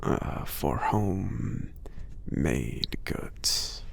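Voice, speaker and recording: A very low, heavily creaking voice of a kindly giant acted by a man in an ASMR roleplay. He murmurs very slowly and hesitantly, breathy and close to a whisper, with shy, polite gentleness. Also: sing-song, heavily acted. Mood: gentle, reminiscing. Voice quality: breathy, husky. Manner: hesitant, murmuring, halting with many soft pauses. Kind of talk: ASMR roleplay, soft talking.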